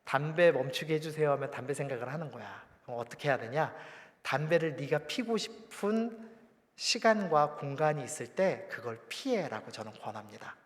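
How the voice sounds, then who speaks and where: A man in his thirties preaching a conversational, animated sermon as a pastor in a church sanctuary. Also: mid-range voice, moderate pace. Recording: reverberant church hall.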